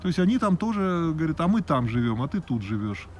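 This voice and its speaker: A man's voice: fairly high pitch, big pitch swings, quick pace, soft background music. A man giving casual live commentary on what he watches, wondering and exclaiming aloud in a conversational way.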